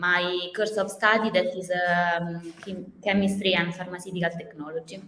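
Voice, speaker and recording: A woman with an Italian accent and monotone, flat intonation. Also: medium pitch for a woman, moderate pace, hardly any pauses. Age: 20s. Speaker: student. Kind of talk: self-introduction. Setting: live video session.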